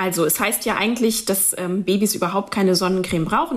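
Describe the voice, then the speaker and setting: A woman with a plain, everyday voice talks at a fairly quick pace. Her pitch variation is ordinary. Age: 30s. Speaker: physician and children's skincare founder. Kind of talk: podcast interview.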